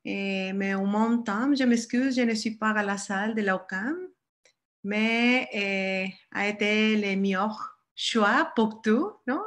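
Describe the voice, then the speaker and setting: A Mexican woman whose first language is Spanish, speaking carefully with a Mexican Spanish accent and halting to search for words as she begins an academic presentation over a video call. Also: medium pitch, fairly bright tone. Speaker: guest speaker, doctoral researcher. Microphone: online video call.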